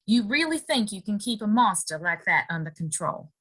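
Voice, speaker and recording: A woman playing a wary, plain-spoken young saloon girl in an audio play, measured and skeptical. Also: medium pitch, sing-song, a bit bright. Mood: skeptical, worried.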